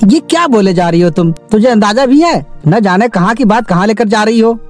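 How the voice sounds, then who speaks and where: A woman's voice: medium pitch, lively intonation, brisk, darkish tone, close to an everyday voice. A woman voicing an exasperated, reasoning father in a cartoon moral story, remonstrating with his wife. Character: weary, reasoning father of the household. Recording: faint music bed behind voice.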